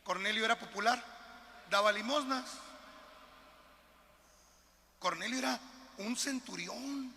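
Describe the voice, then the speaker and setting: A man preaching a sermon as pastor, with a northern Mexican accent, passionate and swinging between quiet asides and shouted appeals. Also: very high voice, big-room sound, slight background noise.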